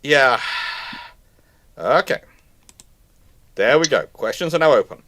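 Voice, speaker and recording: A man hosts a live Q&A. He talks off the cuff, wandering through long, halting explanations. His delivery breaks into exasperated asides. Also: mid-range voice, animated, a bit bright. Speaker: host of a live naval history question stream. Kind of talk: unscripted live commentary and Q&A.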